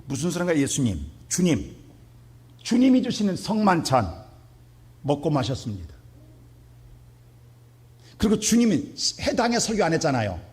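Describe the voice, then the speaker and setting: A male pastor preaching a Sunday sermon emphatically, swinging between loud outbursts and hushed asides. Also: on the high side, wildly swooping pitch, moderate pace, long pauses. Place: church sanctuary.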